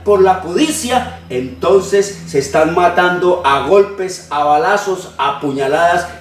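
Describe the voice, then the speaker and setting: High-voiced preacher in a roomy space. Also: male voice, slight background noise. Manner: impassioned preaching with long repeated lists; frequent hesitations with "eh". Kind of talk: sermon. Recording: roomy, distant from the mic.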